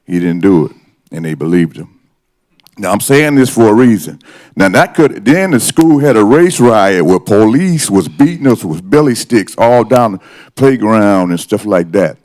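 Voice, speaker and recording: A man's voice: lowish voice, lively intonation, moderate pace, a little mellow. A man in his sixties or older making an impassioned, combative podium speech at public comment, with personal testimony and emphatic plain talk. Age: 60s or older. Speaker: resident speaking at public comment. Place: council meeting room, at a podium.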